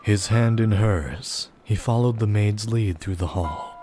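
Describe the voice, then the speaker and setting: A deep-voiced man acting as a male storyteller narrates a gothic audio drama over music. His delivery is grave, measured and literary, with a somber tone. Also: natural voice. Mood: grave, bleak. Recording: loud music behind the voice.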